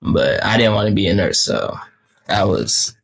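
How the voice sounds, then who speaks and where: A young Kenyan man whose first language is Swahili chats about trading over a video call, relaxed and full of slang, as a guest trader in a casual interview. His voice sits fairly low, gravelly with a breathy edge, and his intonation is lively while his pace stays measured.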